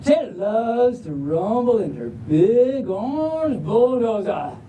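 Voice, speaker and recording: A woman voicing an exuberant, folksy storybook reader with a put-on Southern drawl and drawn-out words. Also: a little high, very animated, narrow, tinny audio. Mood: folksy, excited. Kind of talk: performed children's storybook reading. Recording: far from mic, faint background noise.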